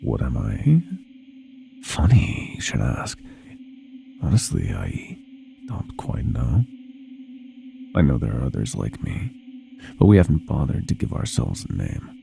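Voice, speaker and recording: Man performing a centuries-old bedside monster, horror ASMR, very deep, dark gravelly rasp, whispery, slow, sadistic, teasing, menacing. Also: huge pitch swings, soft background music, full character voice. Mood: musing, sinister. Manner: slow, taunting, teasing, savoring each word.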